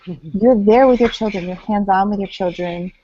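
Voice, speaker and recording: A woman in her thirties, upbeat and energetic, introducing herself on a video call. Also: mid-range voice, moderate pace. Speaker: guest on a video hangout. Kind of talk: casual self-introduction. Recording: dull lo-fi video call audio.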